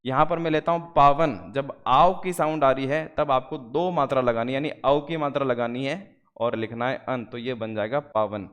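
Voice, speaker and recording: A man teaching an exam-prep grammar lesson, explaining step by step and slowing down to spell out the parts of each word. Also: medium pitch, fairly even intonation, fairly bright tone, clean tone, long reverb tail.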